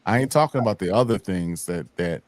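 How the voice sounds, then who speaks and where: Guy hosting a hip hop show, lowish voice, rambly and laid back, dry close sound. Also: brisk, no room sound. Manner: relaxed, rambling, repeats himself. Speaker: podcast host. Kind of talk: casual chat.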